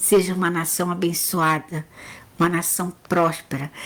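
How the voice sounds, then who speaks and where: A woman's monotone, flat voice at a fairly slow pace. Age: 60s. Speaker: preacher. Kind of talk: sermon. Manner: halting.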